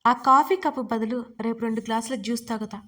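A woman voicing a gentle young wife who pleads and coaxes sweetly. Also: on the high side, steady tone, brisk. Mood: coaxing.

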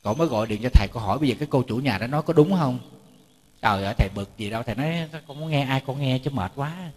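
A man's voice: medium pitch, very fast, a little mellow, slightly rough. A man, a Buddhist monk giving a chatty storytelling sermon, often repeating words and joking with his audience. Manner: jokes with the audience. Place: temple lecture hall. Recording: reverberant hall.

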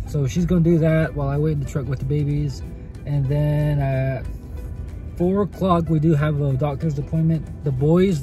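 A man's voice: on the high side, mellow. A man in his thirties with a Navajo reservation Native American accent, chatting casually and playfully to a phone camera inside a truck. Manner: jokey, playful. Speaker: family vlogger. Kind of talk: casual vlog chat to camera. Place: inside a parked pickup truck. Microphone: phone at arm's length.

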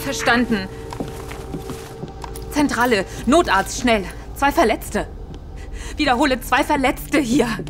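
A woman's voice: on the high side, slow pace, long pauses. A woman playing an urgent, commanding police officer in an audio drama. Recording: music behind the voice.

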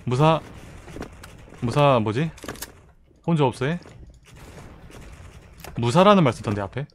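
A man's voice: mid-range voice, lively intonation, unhurried, slight background noise. A man with a Gyeongsang accent, streaming a shooter game live, chatting casually and thanking viewers from the chat. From South Korea, Busan.

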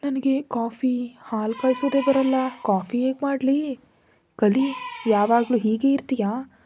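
A woman voicing a sharp-tongued teenage girl who snaps and teases, a little higher and louder than her narration. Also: fairly even intonation, a little slow, a little hiss or hum. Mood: scolding.

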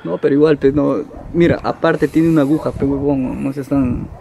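A man's voice: medium pitch, fairly even intonation, normal speed, vocal fry, mellow. A young Peruvian man chatting casually outdoors at night, slangy and sweary, often repeating himself. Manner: slangy, profane, repetitive. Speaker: exploring companion. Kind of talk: casual chat. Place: outdoors on a hillside cemetery at night. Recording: noisy outdoor night recording.

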